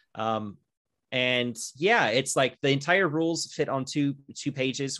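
The voice has an American accent and ordinary pitch variation, heard against a quiet background. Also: man. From United States, lived long in UK. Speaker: game designer and podcaster. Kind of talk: casual interview chat. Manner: casual, halting with fillers.

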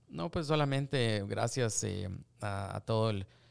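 A normal speaking voice at a fairly slow pace, with ordinary pitch variation, dry and close with no echo, in a very clean recording against a silent background. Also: man. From Guatemala. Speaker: orchestral violinist and music teacher. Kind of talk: interview conversation.

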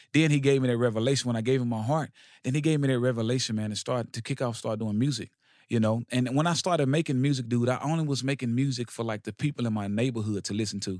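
Talking at a very fast pace, a man keeps a medium pitch and ordinary pitch variation on a very clean recording with a silent background. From Jackson, Tennessee. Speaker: rap artist. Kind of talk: casual interview, testimony. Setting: studio. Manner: animated.

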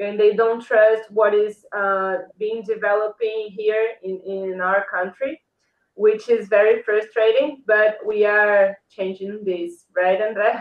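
A woman speaks with a Brazilian accent. Her fairly high voice stays monotone and flat. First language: Portuguese. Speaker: startup founder. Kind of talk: interview.

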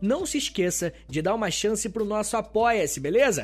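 The man's voice sits high in pitch. He talks with lively intonation. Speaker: history teacher, podcast host. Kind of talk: scripted narration. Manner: casual, friendly.

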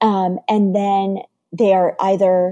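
On a very clean recording with a silent background, a woman speaks at a medium pitch with a dark, mellow tone. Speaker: dating and relationship coach. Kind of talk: interview.

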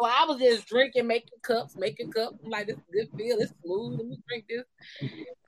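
Her voice fairly high and marked by vocal fry, a woman speaks at a moderate pace with lively intonation and hardly any pauses. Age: 40s. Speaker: podcast host. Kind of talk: casual chat. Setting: video call. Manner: animated.

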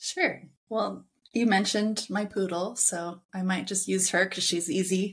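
On a very clean recording with a silent background, a woman with an American accent speaks fairly slowly at a medium pitch, somewhat breathy and in a flat monotone. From Seattle. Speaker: author and mental health advocate. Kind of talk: casual interview.

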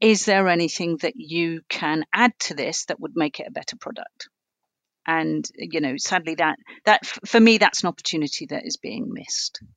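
Speaking with a British accent, a woman uses a fairly low pitch, lively intonation and big swings in loudness at a moderate pace, in a dry, close sound with no echo. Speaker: insurance customer experience lead.

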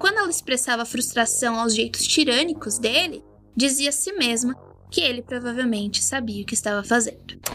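A woman speaks with a high voice. Music plays in the background. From Brazil, Santos (São Paulo coast). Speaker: true crime podcast narrator, physicist. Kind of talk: scripted narration. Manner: casual asides to listener.

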